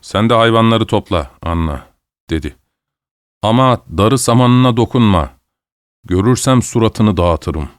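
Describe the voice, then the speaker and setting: Violent peasant husband, harsh and insulting, read by a male narrator, smooth voice, dry sound. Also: fairly low pitch, expressive, unhurried, no echo. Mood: gruff. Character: brutal peasant husband, grown man, violent temper. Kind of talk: audiobook reading.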